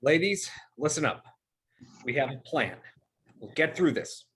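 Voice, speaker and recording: A man's voice: fairly high pitch, animated, a little slow, a bit bright, breathy edge, heavily acted. A man playing an earnest teenage boy who rallies his friends in a film table read. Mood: rallying.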